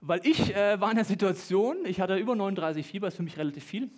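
Man, pastor, sermon, high voice, joking, quick bursts of speech. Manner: lively, joking, talks fast at times.

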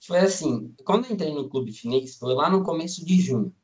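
A nineteen-year-old Brazilian student, a guest in a casual interview, speaks fairly quickly in a relaxed, rambling way, full of hedges, restarts, and fillers like "tipo" and "assim." His voice sits a little higher than most men's, and he stays easygoing and conversational.

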